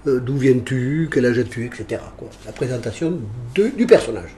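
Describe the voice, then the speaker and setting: A man's voice: mid-range voice, lively intonation, brisk, mellow, slight background noise. An older man hosting a wine interview in a jovial, teasing way, steering the guest back on track. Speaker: host. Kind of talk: radio-style interview hosting.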